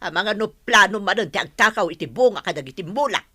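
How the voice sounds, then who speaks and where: A woman voicing a stern older mother in an audio drama, sharp when scolding and fond with her children. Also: medium pitch, expressive, fairly quick, breathy edge.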